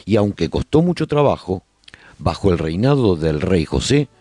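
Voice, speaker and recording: A man playing a nostalgic survivor who chronicles colony life in a radio serial, with measured, expressive storytelling. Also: low-pitched, no echo, studio quality. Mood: earnest, chronicling. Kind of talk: scripted first-person radio drama narration.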